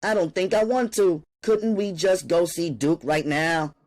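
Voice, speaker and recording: A man's voice: measured pace, a little mellow. Man doing a frightened pleading teenage girl. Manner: pleading, high and strained.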